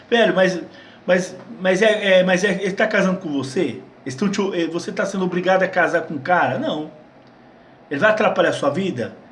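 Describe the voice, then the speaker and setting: A man from Brazil chats loosely through viewer questions. He restarts his sentences often and repeats words as he goes. His voice sits fairly high, and the room around him rings with echo. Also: slight background noise. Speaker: channel host answering viewer questions. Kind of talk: casual Q&A chat. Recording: echoey room.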